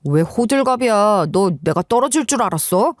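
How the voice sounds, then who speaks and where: A woman's voice: medium pitch, animated, moderate pace, dry recording, lightly acted. Woman doing a sneery arrogant young guy, cold and dismissive, drawly, dry close mic. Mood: sneering. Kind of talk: dramatized story narration.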